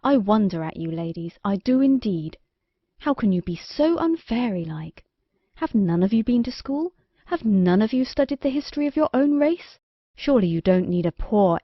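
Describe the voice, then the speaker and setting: A woman voicing a plain-spoken, firm king who lectures and reasons, a little lower than her own voice, in a storybook reading. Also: expressive, normal speed, no room sound. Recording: dry, slightly dull recording.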